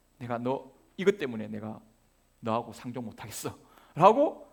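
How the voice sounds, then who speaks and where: The intonation is lively and the pace moderate. A man speaks at medium pitch. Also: long, frequent pauses, big swings in loudness. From Busan, Gyeongsang region, South Korea. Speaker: pastor. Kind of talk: sermon. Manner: animated, interactive with congregation.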